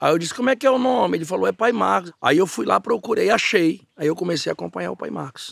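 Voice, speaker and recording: Talking at a very fast pace, the man hardly pauses at all. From Manaus, Amazonas, Brazil. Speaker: evangelical pastor. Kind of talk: interview.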